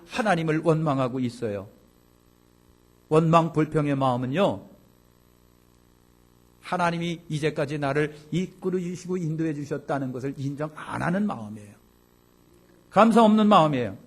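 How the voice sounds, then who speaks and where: A man preaching a Sunday sermon as pastor, emphatic, swinging between loud exclamations and low asides and acting out complaining voices. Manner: acts out complaining voices of the congregation.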